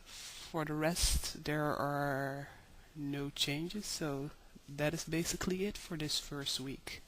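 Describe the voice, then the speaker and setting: A young man talking slowly in a casual video diary, with many ums and pauses, tired. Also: on the high side, fairly even intonation, fairly bright tone, a little hiss or hum, rough recording. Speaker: vlogger.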